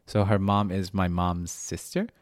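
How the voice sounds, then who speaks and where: Deep-voiced Malaysian man, rambling chat. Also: level tone, unhurried, dry recording, clean studio sound. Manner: rambling, many restarts and "like"s. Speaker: podcast host. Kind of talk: casual chat.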